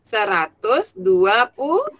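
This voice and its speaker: A woman's voice: fairly high pitch, very animated, slow pace, a bit bright. A woman teaching an online class over a video call. Her audio is choppy and glitching, and she patiently asks the class questions and repeats their answers. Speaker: primary school teacher.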